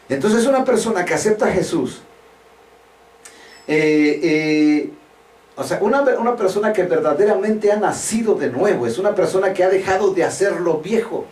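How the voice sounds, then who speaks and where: A man's voice: on the high side, darkish tone. A man preaching a sermon, earnest and direct, pressing listeners with emphatic questions. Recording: echoey room, voice from far off the mic.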